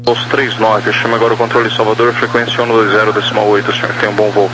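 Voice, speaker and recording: A man's voice: on the low side, little pitch movement, fast talker. A man with a Brazilian Portuguese accent giving air traffic control instructions over the radio. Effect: aviation radio transmission. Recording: noisy tower radio with hum.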